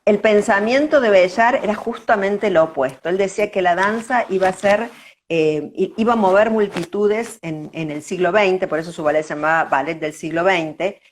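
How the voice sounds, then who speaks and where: An older woman with an Argentine accent reminisces in a conversational interview, reflective, pausing and repeating words. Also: mid-range voice, a little hiss or hum. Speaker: interview guest, dancer.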